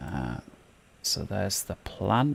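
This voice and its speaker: Quiet and mumbling, a man with a fairly low pitch speaks at a very slow pace. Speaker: flight simulator streamer. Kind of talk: live gameplay commentary. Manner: quiet, kept down.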